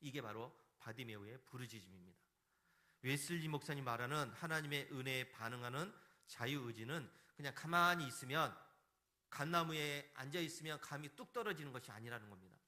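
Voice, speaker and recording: A male pastor preaching a Sunday sermon in a church, emphatic and animated, acting out the quoted voices in the story. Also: medium pitch, fairly quick. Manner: emphatic, acts out the crowd's and the beggar's lines. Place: church sanctuary.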